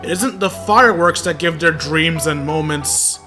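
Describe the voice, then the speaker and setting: A man's voice: on the high side, a little slow, over music. A man giving casual playthrough commentary as a gaming YouTuber, with informal, self-deprecating asides.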